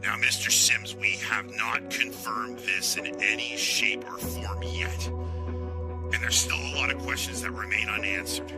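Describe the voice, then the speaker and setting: A man playing a grave, formal sheriff in an audio drama, speaking in a measured, official way. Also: lowish voice, over loud music, close to an everyday voice. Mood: grave, hesitant.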